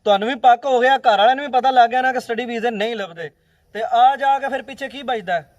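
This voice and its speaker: A man with a Pakistani Punjabi accent playing a bossy, impatient village man in an amateur drama, loudly talking over the others. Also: extremely high pitch, fast, no room sound, lo-fi sound. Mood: insistent.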